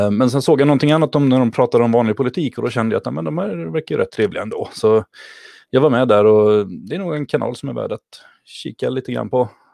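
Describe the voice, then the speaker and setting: Against a quiet background, a man with a dark, mellow tone speaks at a very fast pace with a medium pitch. His intonation is lively, and the sound is dry and close with no echo. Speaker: co-host. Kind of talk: casual chat.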